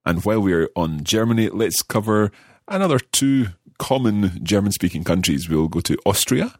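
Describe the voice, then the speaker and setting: Male lesson host, very low husky voice, careful slow enunciation, dry close sound. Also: animated, no room sound. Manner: careful, enunciating learner pronunciation. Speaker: language course host. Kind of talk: podcast language lesson, repeating phrases slowly.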